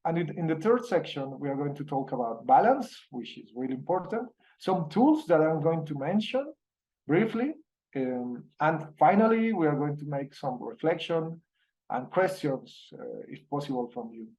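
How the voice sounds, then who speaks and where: A man with a Colombian Spanish accent, lecturing in English on a video call. His voice sits a little high but sounds soft and mellow, and he speaks haltingly, pausing on fillers and restarting phrases. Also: very animated, poor audio. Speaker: university professor. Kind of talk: online masterclass lecture.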